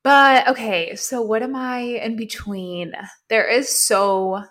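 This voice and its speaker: Young woman from venezuela on a chat podcast, thinks out loud, easygoing and reflective. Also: a little high, fairly even intonation, slow. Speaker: podcast co-host. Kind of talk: casual chat.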